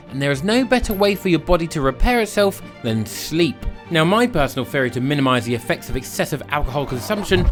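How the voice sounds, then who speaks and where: A young British man talking casually in a vlog, with a dry, tongue-in-cheek, sweary way of speaking. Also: on the high side. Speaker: vlogger. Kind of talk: casual first-person vlog to camera.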